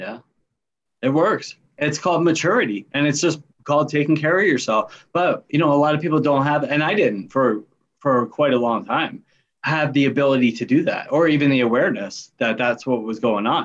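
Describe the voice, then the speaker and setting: Delivered at a fairly quick pace with lively intonation, this is an ordinary speaking voice. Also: man, fairly high pitch for a man. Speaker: podcast host and life coach. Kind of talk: pep talk, direct address to listeners urging them to call and change today. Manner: earnest, warm, urgent, encouraging.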